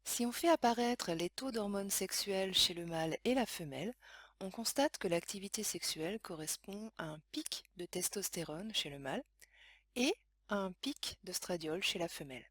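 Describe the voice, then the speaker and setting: A woman narrates a scripted science lesson with a husky, breathy voice at medium pitch. Her delivery is measured and explanatory, and the sound is very dry and close. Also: expressive, no room sound. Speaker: educational narrator.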